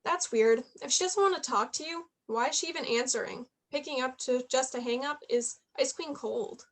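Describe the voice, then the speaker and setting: A woman playing a high-voiced, inquisitive college girl. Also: moderate pace. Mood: probing. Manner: chatty, teasing, probing. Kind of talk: staged reading of a play, naturalistic dialogue.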